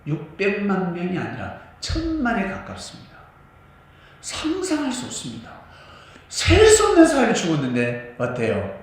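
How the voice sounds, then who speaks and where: A man preaching a sermon as a pastor, animated and scolding at times, recorded in a church. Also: high voice, moderate pace. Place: church sanctuary. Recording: echoey church hall, mic at a distance.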